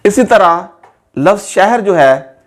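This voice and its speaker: A male teacher with a Pakistani Urdu accent gives a slow, methodical spelling lesson at a very unhurried pace. His voice is a little high for a man and animated. He sounds out each letter and stretches the example words so learners can follow.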